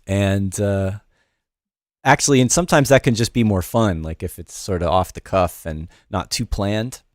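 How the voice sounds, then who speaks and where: A man's voice: fairly low pitch, moderate pace, no echo, clean studio sound. Laid-back man hosting a live tutorial. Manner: loose, off-the-cuff, many fillers and restarts. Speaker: music production instructor and livestream host. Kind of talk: casual livestream tutorial, chatting with viewers. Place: home studio in New York.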